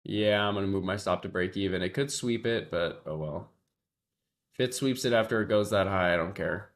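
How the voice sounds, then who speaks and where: A man with a congested, sniffly nose gives loose live-stream commentary in a fairly low voice. He talks to his viewers at a desktop mic, musing aloud and letting his sentences trail off. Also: moderate pace. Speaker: livestream trader. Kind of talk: casual livestream commentary.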